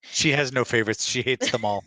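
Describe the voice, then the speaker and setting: A man's voice: medium pitch, fairly quick, sharp tone, no echo, poor audio. A man making casual banter in a dry, teasing manner. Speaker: co-guest.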